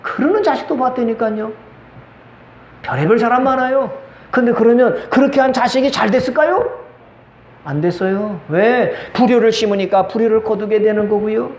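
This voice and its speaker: High-voiced older pastor preaching in a roomy church. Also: male voice, normal speed. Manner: storytelling with quoted voices and rhetorical questions. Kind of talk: sermon. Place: church sanctuary. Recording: echoey church room with faint noise.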